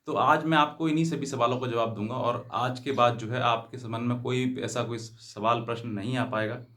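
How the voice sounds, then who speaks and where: A man's voice: mid-range voice, fairly even intonation, moderate pace, fairly bright tone. A man giving an explanatory legal advice talk to viewers, often rephrasing himself and glossing English terms in Hindi. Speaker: legal advice channel host.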